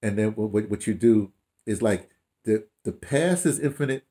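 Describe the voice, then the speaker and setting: A man's voice: on the low side, animated, moderate pace, mellow. An American man in his sixties or older talking casually and reflectively, rambling with emphasis, false starts and repeated phrases. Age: 60s or older. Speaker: audio dramatist being interviewed. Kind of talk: casual reflective interview talk, storytelling. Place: small room at home, indoors.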